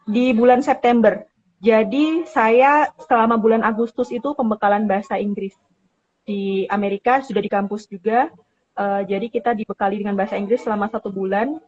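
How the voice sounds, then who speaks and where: A woman from Papua, Indonesia, talking as an interview guest in a casual chat, halting and mixing in English words. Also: fairly high pitch, a little mellow, highs cut off.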